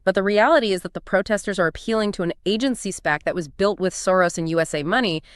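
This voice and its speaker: A woman's voice: medium pitch, quick pace, smooth, dry recording, clean studio sound. A woman co-hosting a conversational political explainer podcast, laying out an exposé in an emphatic, incredulous, sarcastic tone. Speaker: co-host.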